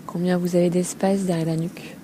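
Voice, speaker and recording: Une femme guide un body scan en improvisant, d'une manière douce et posée, avec des pauses hésitantes entre de courtes phrases. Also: female voice, fairly low pitch. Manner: gentle, unhurried, hesitant pauses between short phrases. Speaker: Feldenkrais teacher guiding a body scan. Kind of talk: guided relaxation lesson, spoken unscripted. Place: outdoors by a calm sea. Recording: steady seaside ambient noise. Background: sea ambience with some seagulls.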